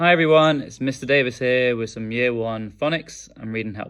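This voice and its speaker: Against a quiet background, a man in a Northern English accent talks at a fairly quick pace with fairly even intonation. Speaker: primary school teacher. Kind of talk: tutorial.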